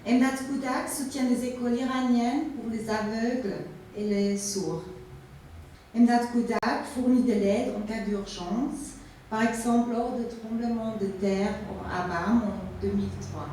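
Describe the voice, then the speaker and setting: A woman narrating a local television report in an even, informative way. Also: on the high side, measured pace. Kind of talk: scripted narration. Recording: roomy, distant voice with faint noise.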